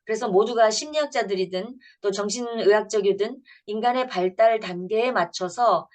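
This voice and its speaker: A woman's voice: medium pitch, normal speed, darkish tone. Earnest woman pastor lecturing parents. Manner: earnest storytelling, acting out family dialogue. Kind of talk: church lecture.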